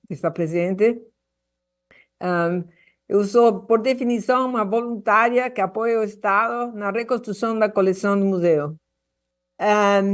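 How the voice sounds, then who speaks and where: Woman addressing a hearing remotely, earnest, full of stops and restarts, mid-pitched. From Argentina. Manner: halting, many restarts and fillers; passionate, earnest. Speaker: guest speaker at a public hearing.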